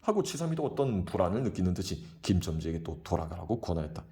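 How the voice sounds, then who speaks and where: Lively male audiobook narrator. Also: sits low. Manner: brisk, expressive reading with dramatic shifts. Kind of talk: scripted narration of a classic short story.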